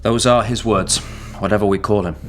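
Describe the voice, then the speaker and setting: An actor playing a good-natured, slightly boastful young Christian knight in a radio drama, wry and plain-spoken. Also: male voice, on the low side, fairly even intonation, a little fast, faint music behind, natural voice. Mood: questioning. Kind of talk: radio historical drama acting.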